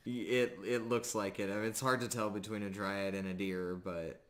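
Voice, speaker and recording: A man improvising tabletop game narration as game master, with hesitant, halting phrasing. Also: fairly low pitch, little pitch movement, fairly bright tone.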